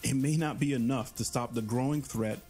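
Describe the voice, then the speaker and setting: A man's voice: medium pitch, brisk. A man, a game developer, narrating a trailer in an earnest, enthusiastic scripted way. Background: soft trailer music.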